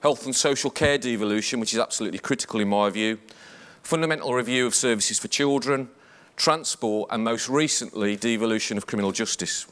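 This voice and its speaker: Black Country man, senior police officer, formal measured conference talk, mid-pitched. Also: fairly bright tone. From English West Midlands. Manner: measured, formal briefing delivery. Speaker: police chief superintendent. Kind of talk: conference presentation.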